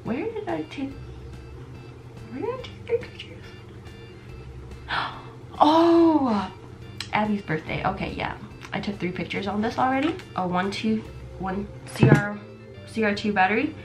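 A woman's voice: fairly high pitch, very animated, measured pace, long pauses, soft background music. A young woman in her twenties, sick with a stuffy nose and losing her voice, chatting casually to the camera as she shows off her gifts, with lots of fillers. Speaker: vlogger. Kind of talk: casual product unboxing vlog. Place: small bedroom with camera shelves, indoors.

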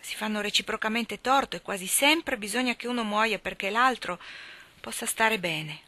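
A woman's voice: medium pitch, moderate pace, sharp tone, voice pushed up, lightly acted. A woman voicing a worried farm mother. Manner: anxious and pleading.

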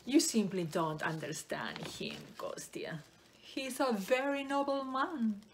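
An actress playing a haughty, indignant theatrical mother, melodramatic, swinging between loud outbursts and breathy hissing. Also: on the high side, big pitch swings, takes it slowly, exaggerated voice. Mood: exasperated. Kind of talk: melodramatic stage comedy acting. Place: small plain room, medium close camera.

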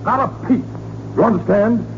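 A man's voice: sits high, moderate pace, natural voice. An actor playing a blustering, exasperated middle-aged American father in a 1940s radio comedy. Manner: blustering, emphatic. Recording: muffled, noisy 1940s radio recording.

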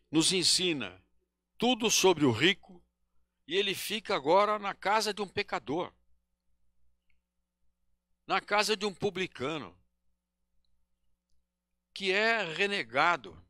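A man in his sixties from Brazil gives a devotional lecture at a podium in a small hall, talking slowly and haltingly with pauses and self-corrections into a handheld microphone. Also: high-pitched, fairly bright tone, studio quality. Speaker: spiritist lecturer.

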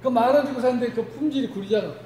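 A man's voice: very high voice, quick pace, darkish tone. A middle-aged man giving an informal, conversational lecture to a room of teachers. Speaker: English teacher presenting to fellow teachers. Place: indoor lecture room with projector screen. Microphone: handheld microphone, heard through the room by a distant camera. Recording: echoey room from far off, noisy.

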